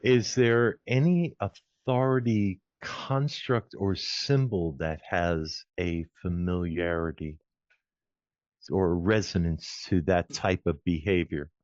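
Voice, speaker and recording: A man guesting on a podcast, explaining ideas in a slow, deliberate way. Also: deep voice, darkish tone, no room sound. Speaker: podcast guest, former recording engineer. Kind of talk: measured explanation. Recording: dry muffled podcast audio.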